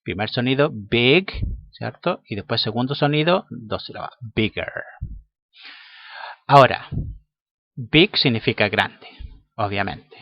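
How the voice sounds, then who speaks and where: A man's voice: medium pitch, animated, vocal fry, dry recording, dull audio. A man teaching a lesson, explaining patiently and often checking in with his students. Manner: slow, patient, checks in with "¿cierto?" and "¿ya?". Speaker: English teacher.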